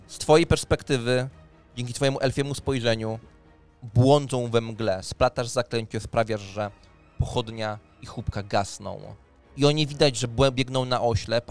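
Man narrating a game, music behind. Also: medium pitch. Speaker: game master. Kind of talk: narrating a tabletop role-playing game. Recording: music under the voice. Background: background music.

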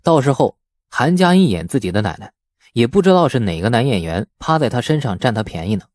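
A male audiobook narrator tells a story in a scripted, dramatic style. His mid-pitched voice moves in lively swings, and the sound is close and dry. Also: brisk, dry recording.

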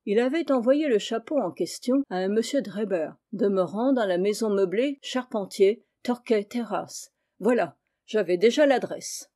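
A woman's voice: mid-range voice, animated, unhurried, hardly any pauses, warm tone. A woman reading as a boastful police inspector. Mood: pleased. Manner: self-satisfied storytelling.

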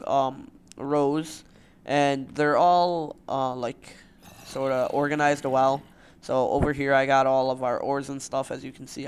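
A young man hosting a let's play, talking loosely with lots of fillers, his voice a bit raspy from the morning, at a desktop mic at home. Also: medium pitch, a little hiss or hum. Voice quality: loose, rambling, filler-heavy. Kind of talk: casual gameplay commentary.

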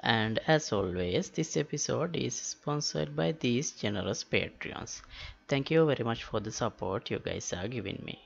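A man narrating a step-by-step software tutorial in a halting, matter-of-fact manner. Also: mid-range voice, lively intonation, gravelly. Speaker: tutorial host. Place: indoors, screen-recording voice-over. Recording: dull lo-fi voice-over with clicks.

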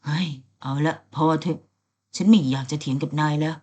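A woman's voice: low-pitched, a little fast, darkish tone. A woman doing a sulky, sly young man. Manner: sulky, sarcastic and teasing.

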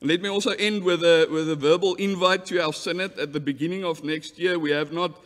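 A man's voice: a little high, fairly even intonation, brisk. A man in his thirties from South Africa with an Afrikaans accent, a church delegate earnestly addressing an assembly from a lectern, often restarting words. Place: large church hall. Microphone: lectern mic. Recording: long hall reverb.

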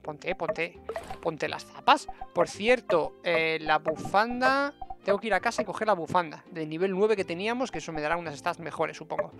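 A young man with a Castilian Spanish accent talks through a game in a chatty, playful way. His voice has plenty of fry and gravel in it. He speaks into a headset, with game music clearly behind him. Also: on the high side, fairly bright tone. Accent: Spanish from Spain. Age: young adult. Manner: chatty, playful self-talk with diminutives. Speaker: video game streamer. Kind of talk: casual gameplay commentary. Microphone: headset microphone.

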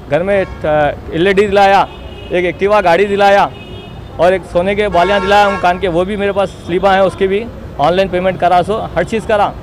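High-pitched insistent young Hyderabadi man. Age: young adult. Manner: insistent, repetitive, self-justifying. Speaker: interviewee giving a statement to local news. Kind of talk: spoken personal testimony to reporters. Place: outdoors beside a street wall. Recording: outdoor street noise behind.

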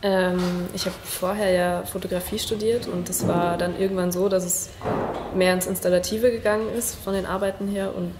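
A woman's voice: lowish voice, fairly even intonation, normal speed. A woman in her twenties from Munich, a stage design student, speaking hesitantly in an interview with many fillers. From Munich, Germany. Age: 20s. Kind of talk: casual interview talk. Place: indoor studio room. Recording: echoey room with audible noise.

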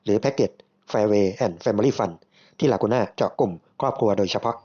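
A man voicing a bright young woman assistant from the north, soft and gentle, explaining her ideas politely. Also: on the low side, moderate pace, slightly rough, dull audio. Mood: gently explaining.

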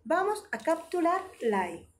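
A woman's voice: very high-pitched, very animated, unhurried. A woman teaching an online preschool lesson, talking in an exaggerated, sing-song, encouraging way.

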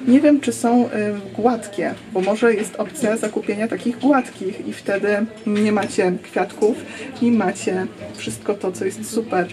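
A woman's voice: mid-range voice, measured pace, a crowd in the background. A young woman vlogging a clothing try-on haul in a small store fitting room, chatty and enthusiastic, talking into a handheld camera. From Poland. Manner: chatty and enthusiastic, many fillers. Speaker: fashion vlogger. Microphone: handheld camera on a grip held in front of her.

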